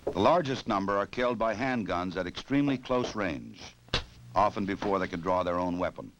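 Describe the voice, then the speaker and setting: Low-voiced American man, noisy old film narration. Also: expressive. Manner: authoritative, measured, formal. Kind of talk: scripted 1960s instructional film narration.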